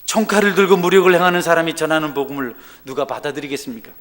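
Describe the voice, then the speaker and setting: A male pastor preaching a sermon, moving between soft, low talk and loud, emphatic exhortation. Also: very fast. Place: church sanctuary. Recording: long hall reverb.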